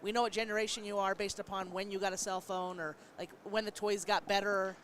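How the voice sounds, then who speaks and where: A man co-hosting a podcast, chatting quickly and excitedly at a trade show. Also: sits high, slight background noise. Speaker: podcast co-host. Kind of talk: casual chat. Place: busy trade show floor.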